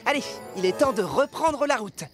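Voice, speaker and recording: A woman's voice: a little high, lively intonation, normal speed, music in the background, natural voice. A woman voicing a kindly, folksy traveller in a children's cartoon, musing aloud to herself. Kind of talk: animated children's series dubbing.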